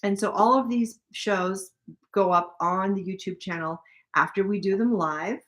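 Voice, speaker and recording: Older woman cohosting a livestream, upbeat and chatty, mid pitch. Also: measured pace, a bit bright. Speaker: livestream co-host. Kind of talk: casual livestream chat.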